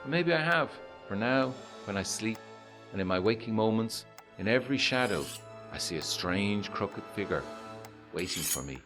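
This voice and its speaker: A male actor plays a haunted war veteran of the 1920s in a gothic audio drama. His voice is deep and measured as he broods over a letter, with faint music underneath. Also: lively intonation, natural voice. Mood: uneasy, haunted.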